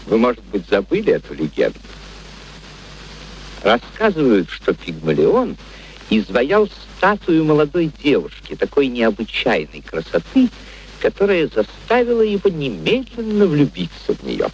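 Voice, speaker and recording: An actor playing a genial, curious gentleman who narrates a radio play in an expressive, theatrical storytelling manner. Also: medium pitch, unhurried. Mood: wry, storytelling. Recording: noisy vintage radio play recording.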